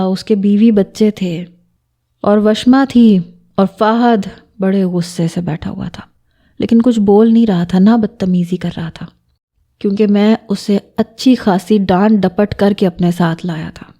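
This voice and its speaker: Mellow-voiced woman narrating a story. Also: mid-range voice. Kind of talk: scripted first-person story narration.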